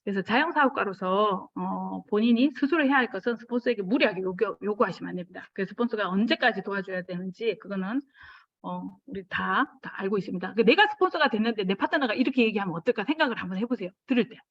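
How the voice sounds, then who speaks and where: A middle-aged woman giving a lively motivational business talk, acting out little scenes of dialogue with sudden jumps in pitch. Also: fast talker, dry recording, highs cut off.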